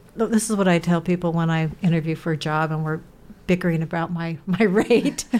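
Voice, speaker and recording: A woman with a plain, everyday voice talks at a fairly quick pace, her pitch fairly low and her pitch variation ordinary. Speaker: wig and hair specialist. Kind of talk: casual interview.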